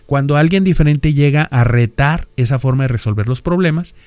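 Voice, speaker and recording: A middle-aged Mexican man with a northern accent talks through a podcast topic like a lecturer, pausing on rhetorical questions. His voice sits at an ordinary middle pitch and is recorded close and dry, with no room sound around it. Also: animated, a little mellow, dry recording. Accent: Mexican (northern, Monterrey). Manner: lecturing, peppered with rhetorical questions and tag "¿verdad?". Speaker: podcast host. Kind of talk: explanatory podcast monologue.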